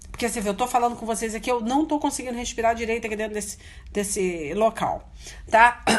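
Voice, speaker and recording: Over noticeable background noise, a woman talks at a very fast pace. Her fairly high voice shows ordinary pitch variation. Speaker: preacher. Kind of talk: sermon. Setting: indoors at a desk.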